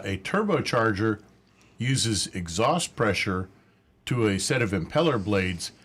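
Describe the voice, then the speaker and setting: Low-voiced man explaining engines. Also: fairly bright tone. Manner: clear, explanatory. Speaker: automotive expert. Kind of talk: technical explanation.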